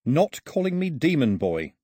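A man's voice: fairly high pitch, big pitch swings, unhurried, mellow, slightly rough, no echo, studio quality, voice pushed up, full character voice. A man voicing a sceptical young male islander in an audiobook, blunt and challenging. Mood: stubborn.

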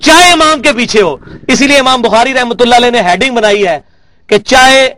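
A man's voice: very high voice, pushed and bright, dry recording. A man from Pakistan giving a religious lecture, emphatic, repeating key words for stress. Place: lecture hall at a research academy.

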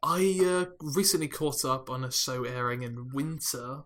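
A British man with a bright, slightly tense voice chats on a podcast. He talks in a halting way, full of ums and small restarts. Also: medium pitch. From United Kingdom. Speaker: podcast co-host. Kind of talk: casual chat.

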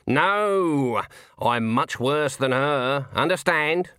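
A man's voice: on the high side, lively intonation, drawn-out words, bright, forceful tone, clean tone, no room sound, studio quality, voice pushed up, full character voice. A man reading a storybook, voicing a blunt, unflappable old country witch with folksy, snappy, self-assured speech. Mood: snapping, proud.

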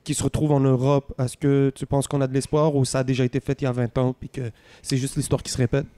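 A man co-hosting a casual interview, asking eager, quick questions. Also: mid-range voice, level tone, dark tone. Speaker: co-host.

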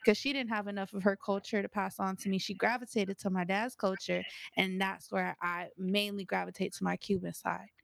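A woman's voice: mid-range voice, little pitch movement, a little fast, creaky, dry recording. A young woman talking through her views in a casual podcast discussion, rambling and thinking aloud with plenty of fillers. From United States.

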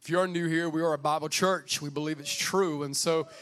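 A man with a somewhat high voice talks as a pastor to a congregation. The sermon is informal and conversational, with repeated phrases and prompts for agreement. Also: fairly even intonation, a little fast, fairly bright tone, smooth. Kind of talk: informal sermon with welcome and Bible reading.

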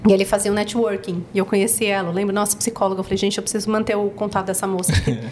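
A Brazilian woman chatting as a podcast guest, telling stories in a lively way and acting out what people said. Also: medium pitch, very fast, a little hiss or hum. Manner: animated storyteller, acts out quotes. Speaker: podcast guest, project founder. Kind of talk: casual podcast chat.

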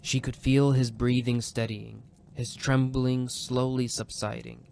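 A man's voice: mid-range voice, flat delivery, a little slow, creaky, a little mellow, slight background noise. A man narrating a scripted story with intense, suspenseful delivery. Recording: background music under the voice.

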